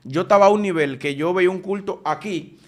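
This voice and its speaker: A man, a preacher giving his testimony in an animated conversational way, often restarting his sentences. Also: high-pitched, brisk. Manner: animated storytelling with frequent restarts.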